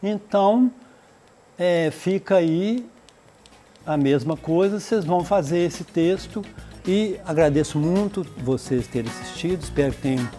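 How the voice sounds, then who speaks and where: Brazilian teacher walking through English examples. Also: male voice, sits high, animated, warm tone, faint music behind. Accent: Brazilian Portuguese. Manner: explains slowly, reads English examples then translates; frequent "então" and "né" fillers. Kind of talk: recorded remote school lesson.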